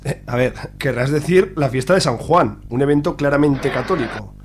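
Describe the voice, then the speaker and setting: A man's voice: medium pitch, moderate pace, breathy edge, lightly acted. A man with an accent from Spain playing a prim, judgmental, melodramatic Catholic in an amateur radio soap. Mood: smug, mocking.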